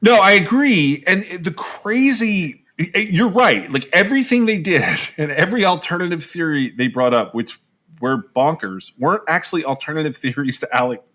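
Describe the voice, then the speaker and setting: A man's voice: fairly high pitch, lively intonation, normal speed, a bit bright. A man co-hosting a true crime podcast, chiming in agreeably and giving hedged opinions in casual conversation. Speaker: podcast co-host.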